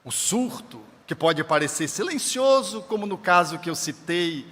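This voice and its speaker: In a large event hall, a spiritist speaker lectures emphatically at an event, preaching and quoting scripture. He talks at a normal speed in a high, expressive, fairly bright voice, with a long reverb tail.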